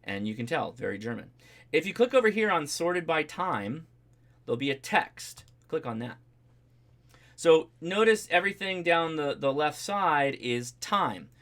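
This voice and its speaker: A man's voice: a little high, big pitch swings, unhurried, fairly bright tone. A man hosting a livestream, giving a casual, chatty hands-on tutorial and checking in as he explains each step. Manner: informal, chatty, explanatory, checks in with "right?" and "okay?". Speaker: host of a ham radio livestream. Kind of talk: casual live demonstration and tutorial.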